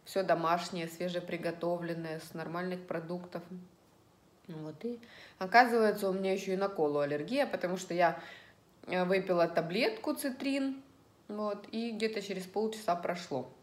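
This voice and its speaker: A woman's voice: on the low side, normal speed. A middle-aged woman vlogger chatting casually and ramblingly to her viewers about everyday things while eating at home. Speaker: lifestyle vlogger. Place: indoors at home in an echoey room. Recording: roomy, echoing indoor sound.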